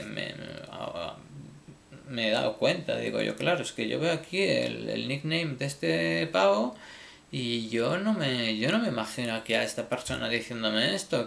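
Man in his own vlog, mid pitch, gravelly, stumbling over words, apologetic. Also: a bit bright. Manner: halting, repeats words, swears casually. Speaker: video creator. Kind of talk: casual apology to viewers.

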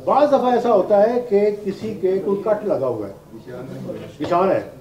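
This older lecturer, a retired judge with a Pakistani accent, covers law in a classroom step by step, repeating ideas and using English legal terms. His high-pitched, mellow voice swings widely in pitch and moves a little slowly. The recording is roomy, dull and noisy.

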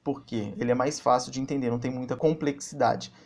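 A man in his thirties talks into a webcam in a small office, summarizing a book with lively, animated explanation. His voice sits at a medium pitch. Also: a little fast. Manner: animated, gestures while explaining. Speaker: channel host reviewing a book. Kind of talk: casual video commentary.

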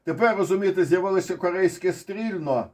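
A man's voice: high voice, brisk, darkish tone. A man with a Ukrainian accent giving casual, ironic commentary on war charts, digressing and restarting often. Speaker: military commentator.

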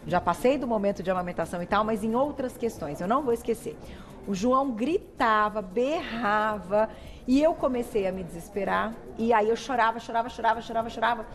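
A middle-aged Brazilian woman hosts a TV talk show, her voice sitting a little high. She chats warmly and tells personal stories with feeling. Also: fairly quick, faint music behind. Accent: Brazilian Portuguese. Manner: warm, chatty, emotional storytelling. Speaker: TV show host.

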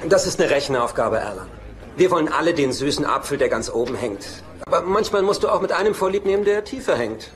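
A man's voice: a little high, animated, fast talker, natural voice. An actor dubbing a German sitcom, playing a middle-aged womanizing brother who is smug, glib, sardonic and self-assured. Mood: cocky, teasing. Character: cocky womanizing brother, smug, teasing, worldly. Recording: TV soundtrack with clear background noise.

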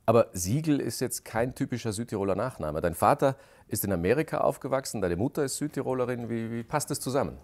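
A man's voice: medium pitch, lively intonation, quick pace, hardly any pauses, darkish tone. A middle-aged man, hosting a TV interview and asking questions in a friendly, conversational way. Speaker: host. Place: rustic hotel lounge.

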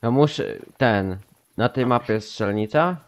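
A young man chatting in a relaxed, mumbling way while gaming with a friend, often trailing off. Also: mid-range voice, measured pace. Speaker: co-player. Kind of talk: casual co-op gameplay chat.

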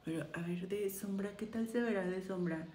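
A woman's voice: medium pitch, moderate pace, dark tone. A woman, chatting effusively to viewers while trying on makeup. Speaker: beauty vlogger. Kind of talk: casual makeup try-on chat. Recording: roomy echo, faint room noise.

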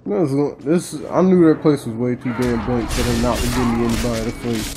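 An American man hosts a let's-play with casual, profane commentary. His mid-pitched voice is blunt and slangy, over clear game music. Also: fairly quick, poor audio. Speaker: gaming video host.

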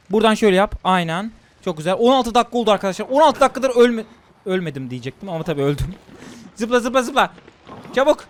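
Young man, high voice, excitable let's-play commentary, chatters to himself. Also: slight background noise. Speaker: gaming streamer.

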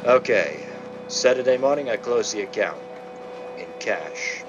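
Man as a wary crook, swinging, animated delivery. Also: on the low side, measured pace, music in the background. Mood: wary, grudging. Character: wary, grudging male crooked business partner. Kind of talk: 1930s radio drama acting. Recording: muffled, noisy old-radio sound.

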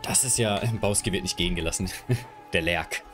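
A man's voice: low voice, normal speed, a bit bright, soft background music. A young man streaming from his room on a headset mic, chatting loosely with his viewers while he moves his camera and gear around. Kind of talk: casual live stream chat. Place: home room, indoors.

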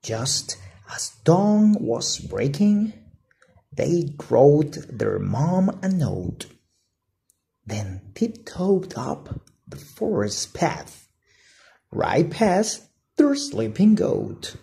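A woman reading a children's story aloud with deliberate, expressive and dramatic phrasing. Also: deep voice, vocal fry. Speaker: storybook reader.

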